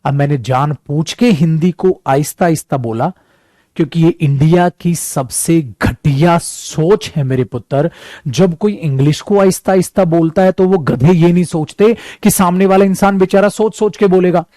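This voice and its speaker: A man's voice: fairly high pitch, dark tone, no room sound. A man teaching spoken English with an Indian English accent, mixing Hindi and English and calling his students "beta". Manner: calls students "beta", mixes Hindi and English, slows right down for English examples. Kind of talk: bilingual classroom lesson.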